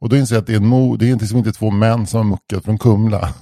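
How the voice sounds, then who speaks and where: A man's voice: lowish voice, steady tone, warm tone, no room sound, studio quality. A man on a podcast telling a long anecdote in a casual, rambling way, often restarting sentences and swearing casually. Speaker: podcast co-host.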